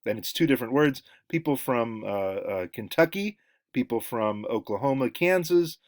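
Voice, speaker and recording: A man giving a lecture, halting with many fillers and restarts. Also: mid-range voice, expressive. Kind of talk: recorded lecture.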